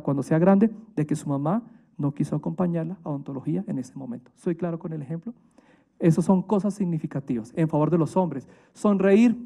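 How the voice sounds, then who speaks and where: Colombian man, priest, fairly high voice, warm tone, emphatic talk, rhetorical questions. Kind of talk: motivational talk to families and staff.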